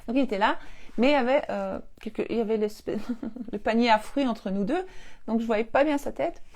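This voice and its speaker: Animated, fairly high-voiced woman telling a story. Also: a little fast. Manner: animated, laughs often, acts out family dialogue. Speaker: life coach hosting a live stream. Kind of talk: casual storytelling to viewers.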